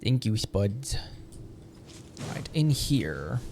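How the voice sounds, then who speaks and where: A man's voice: on the low side, big pitch swings, extremely slow, vocal fry, a little mellow, slight background noise. A man chatting casually as he hosts a gaming livestream, rambling in loose asides. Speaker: streamer and channel host.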